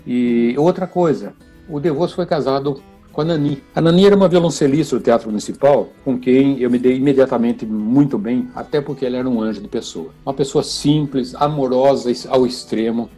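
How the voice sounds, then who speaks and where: An older man speaks in a dark, mellow voice with a husky edge. He tells stories in an animated way and keeps tagging his phrases with "né?". Faint music sits behind him. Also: medium pitch, brisk. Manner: animated, frequent "né?" tags. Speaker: chamber musician. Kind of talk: storytelling interview.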